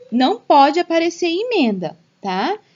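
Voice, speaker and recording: Shouting loudly at a fairly slow pace, a woman swings her pitch very widely. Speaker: craft teacher. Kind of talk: tutorial. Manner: loud, shouting over noise.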